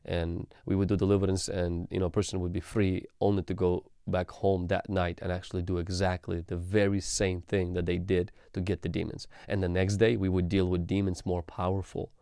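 A man in his thirties, a pastor, teaching calmly on a livestream into a studio mic in a small room, with frequent ums. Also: low-pitched, a little fast, gravelly, hardly any pauses, clear, resonant tone, dry recording. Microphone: studio mic on boom arm.

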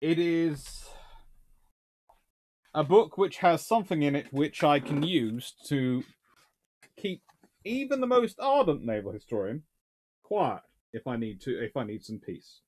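In a casual livestream Q&A from a small home study lined with bookshelves, a man answers viewer questions in a chatty, wry way with dry humour. His voice is a little high and a little mellow, sing-song and unhurried, with frequent pauses.

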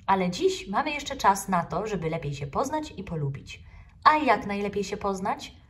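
Brief: cheerful female okapi teacher, chirpy and emphatic, voiced by a woman storyteller, higher than her narration. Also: very animated, moderate pace, recorded from a distance, a little hiss or hum. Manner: chirpy, sing-song, loud.

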